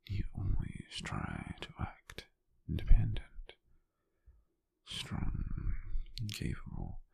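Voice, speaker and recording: Man acting as a tender British boyfriend, very low gravelly voice, husky half-whisper, slow, teasing, intimate ASMR roleplay. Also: wildly swooping pitch, darkish tone, no room sound, studio quality, exaggerated voice. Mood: tender, soothing. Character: gentle, doting, teasing male lover cooking at home. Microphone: close microphone.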